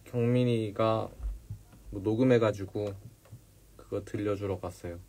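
A man's voice: lowish voice, moderate pace, darkish tone. A man chatting awkwardly and shyly with livestream viewers. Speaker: livestream co-host. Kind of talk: casual livestream chat.

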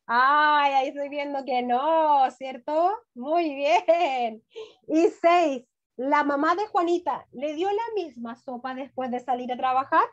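Speaking slowly in a high-pitched, somewhat bright voice, a middle-aged primary school teacher leads an online class for young children. The video call audio is dull and lo-fi, and she keeps up an encouraging tone with many questions.

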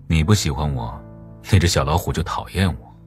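A low-voiced, sly genius killer. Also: male voice, brisk, a little mellow. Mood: wry. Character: sly, teasing, sulky male genius killer. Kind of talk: audiobook drama acting. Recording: music playing behind the voice.

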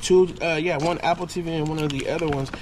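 A man in his thirties vlogging outdoors at a storage lot, joking and excited as he digs through bins. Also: fairly high pitch, fast, noisy background. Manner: excitable, joking, talks to camera. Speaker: storage unit buyer. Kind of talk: casual vlog while unboxing. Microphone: camera mic, handheld close.

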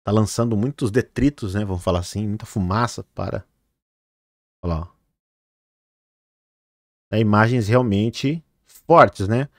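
With a lowish voice, slightly slow and pausing often, a man comments chattily on news images for his vlog, using fillers like "né" and "olha, gente" and asides to viewers. Difficult names trip him up, and he corrects himself. The audio is close and dry, with no echo.

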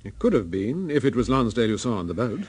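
An actor playing an urbane, observant gentleman detective in a radio drama. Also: mid-range voice, very animated, fast talker, lightly acted. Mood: inquiring, genial. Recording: loud train noise behind.

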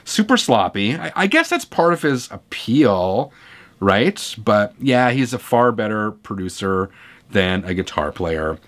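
A man in his forties with a voice hoarse from a cold, hosting a vinyl channel and chatting opinionatedly through viewer comments from his home record room. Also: lowish voice, big pitch swings, unhurried, a bit bright. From Canada. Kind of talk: casual reading of viewer comments. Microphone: camera close up at desk.

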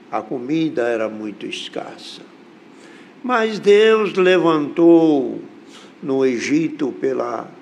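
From a church pulpit, an older man with a Brazilian Portuguese accent preaches into a stand mic, slow and deliberate with emphatic rises. His voice is a little high, creaky and darkish, and there's a slight hiss or hum.

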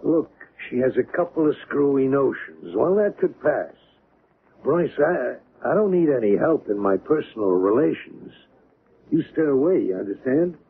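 A dismissive, stubborn man with a brusque, colloquial way of talking. His gravelly voice moves around in pitch, heard on a narrow 1970s radio drama recording. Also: very animated, normal speed. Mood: stubborn, irritated. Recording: tinny, noisy old radio drama recording.

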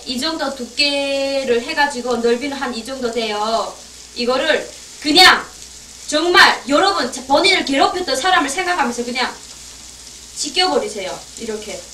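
A high, bright-voiced woman chats playfully as she cooks, talking half to her viewers and half to herself. She sounds a little distant from the camera in an echoey kitchen. Faint sizzling and frying go on behind her. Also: a little hiss or hum. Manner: playful, talks to herself while cooking, giggly. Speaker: cooking vlogger. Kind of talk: chatty cooking demonstration. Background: frying and sizzling food.

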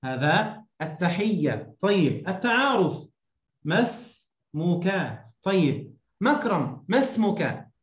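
A man speaks as a language teacher. His voice is on the low side and rings in a roomy, echoing space. He enunciates each phrase deliberately, prompting and repeating for a beginner. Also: sing-song. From Egypt. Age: 30s. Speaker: Arabic teacher. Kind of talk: beginner language lesson to one student. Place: small indoor room, video call. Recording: roomy echoing online-call sound.

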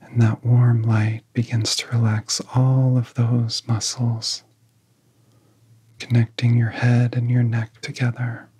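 A man guiding a relaxation in soft-spoken ASMR style, with a soft, whispery voice and gentle, soothing phrasing broken by long pauses. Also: mid-range voice, completely flat delivery, no room sound. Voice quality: soft, breathy, often whispery. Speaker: ASMR hypnosis guide.

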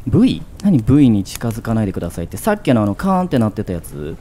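A man's voice: fairly low pitch, very animated, very fast, mellow, a little hiss or hum. A man giving casual horror game commentary, thinking aloud and asking himself questions. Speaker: gaming commentator.

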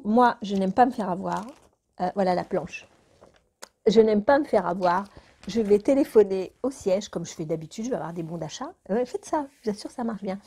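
A woman's voice: medium pitch, warm tone. A woman vlogger chatting casually to her viewers in a rambling way, now and then talking to her cat. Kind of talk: casual chat to camera.

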